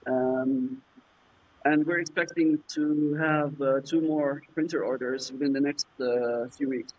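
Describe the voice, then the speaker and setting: A man from Jordan whose first language is Arabic, answering interview questions in a halting way, with many fillers and restarts. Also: medium pitch, steady tone. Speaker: startup founder, guest. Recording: muffled lo-fi remote audio.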